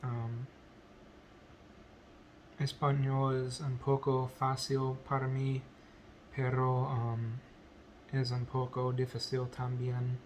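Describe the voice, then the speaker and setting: A man with English as his first language talks haltingly through a language-practice vlog. He speaks at a very slow, even pace with a flat, unvarying pitch. He fills gaps with ums and corrects himself often, over a faint hiss of background noise. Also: poor audio. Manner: hesitant, many ums and self-corrections. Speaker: language learner vlogger. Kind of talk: halting unscripted speech practice.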